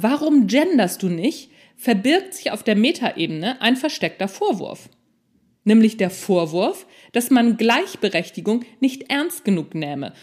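A woman hosting a solo podcast in an informal, conversational way, addressing the listener directly with self-deprecating humour. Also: a little high. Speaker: podcast host and non-fiction author.

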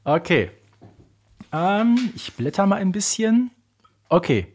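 Husky, animated man. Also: high voice, slow. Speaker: podcast co-host and radio play expert. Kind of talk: playful quiz chat between fans.

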